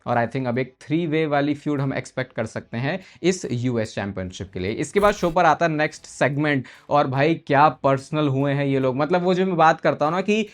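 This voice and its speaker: A man with a somewhat high voice runs through a wrestling episode as a casual recap. He chats straight to the viewer, calls him buddy and drops English words into his talk. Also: lively intonation, a little fast, few pauses. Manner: chatty, mixes in English words, calls the listener "bhai". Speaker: wrestling show recap host. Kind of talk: casual excited recap commentary.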